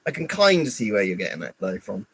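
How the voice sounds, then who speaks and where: A man's voice: on the low side, big pitch swings, quick pace, a bit bright, breathy edge, no echo. A man rambling and grumbling through a casual live stream, stuffy with hay fever and swearing often. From United Kingdom. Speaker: livestreamer.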